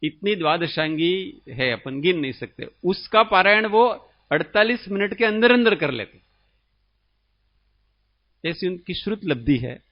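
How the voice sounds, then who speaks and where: A man from India, a spiritual teacher, gives a religious discourse in a high voice, slowly explaining and asking his listeners questions. The recording is dull and lo-fi, and his voice sounds dry and close. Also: lively intonation, dry recording.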